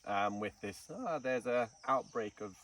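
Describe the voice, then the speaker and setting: Male guest from Kenya, relaxed storyteller, interview recorded at a distance outdoors. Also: lowish voice, unhurried. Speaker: snake farm curator. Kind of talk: casual interview. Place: outdoors in the bush. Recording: distant mic with faint insect noise.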